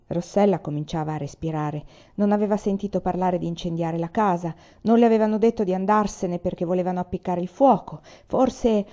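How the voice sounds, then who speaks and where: Mellow-voiced woman reading a novel. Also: lowish voice, lo-fi sound. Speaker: audiobook reader. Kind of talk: novel narration.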